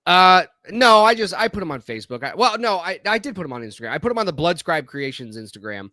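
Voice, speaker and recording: A man with a bright, forceful voice chats casually on a podcast, his throat slightly scratchy from allergies. He rambles and restarts his sentences often. The sound is dry and close. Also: high-pitched, very animated, fast talker, no echo. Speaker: podcast co-host. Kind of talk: casual chat.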